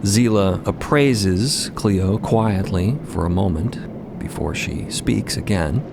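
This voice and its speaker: A man's voice: on the low side, takes it slowly, vocal fry, background noise. A man narrating a scripted audio drama as a storyteller.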